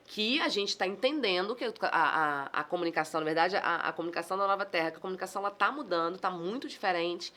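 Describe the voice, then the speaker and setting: A woman with a Brazilian accent, a communication trainer chatting as a podcast guest, animated and exclamatory, acting out the dialogue in her stories. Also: lowish voice, fast talker, few pauses. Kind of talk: casual podcast conversation.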